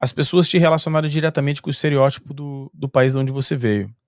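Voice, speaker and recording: Middle-aged Brazilian professor, chatty storyteller, gravelly tone, dry recording. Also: male voice, mid-range voice, fairly even intonation, fast talker, a little mellow, no room sound. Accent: Brazilian Portuguese. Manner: chatty, with a frequent "né". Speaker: university professor, vlogger. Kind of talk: casual storytelling monologue.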